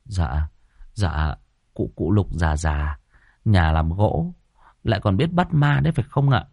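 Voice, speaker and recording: A man's voice: low-pitched, lively intonation, a little slow, vocal fry, darkish tone, no room sound, dull audio, full character voice. A man voicing a nervous young man who stammers and pleads. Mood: pleading.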